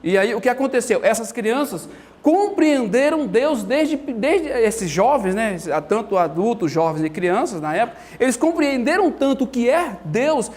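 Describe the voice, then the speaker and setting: High-voiced, animated male Bible teacher. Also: moderate pace. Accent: Brazilian Portuguese. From Brazil. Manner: animated storytelling, acts out quotes. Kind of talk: lively church teaching talk.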